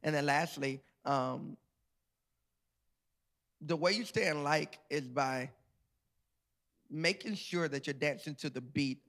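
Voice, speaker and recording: Bright-voiced man telling stories. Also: on the high side, takes it slowly, long pauses. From Georgia, USA. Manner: playful, laughing storyteller. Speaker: author and guest. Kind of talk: storytelling chat before a live audience.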